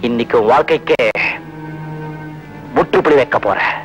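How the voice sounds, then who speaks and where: A man's voice: medium pitch, normal speed, lo-fi sound, natural voice. An actor playing a vengeful young man who menaces his father's killer in a declamatory way, from an old film soundtrack with music behind. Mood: menacing.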